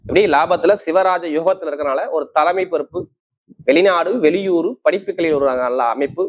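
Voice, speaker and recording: A man's voice: fairly high pitch, a little fast. A man giving an astrology forecast to viewers in an emphatic, assuring manner, often repeating key points. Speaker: astrologer, host. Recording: slightly dull, lo-fi sound.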